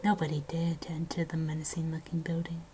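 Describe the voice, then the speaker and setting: A woman's voice: sits low, monotone, brisk, warm tone, soft background music, lightly acted. A woman playing a brash young local telling haunted-house tales in an amateur audio drama, casual and dramatic. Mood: eerie storytelling. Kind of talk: amateur audio drama, scripted ghost storytelling.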